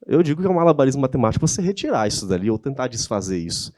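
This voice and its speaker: Brazilian guy giving a chatty lecture, warm mellow voice, asks questions back at the room. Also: mid-range voice, big pitch swings, racing, no room sound, clean studio sound. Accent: Brazilian Portuguese. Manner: conversational, asks rhetorical questions. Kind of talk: church-hosted lecture with slides.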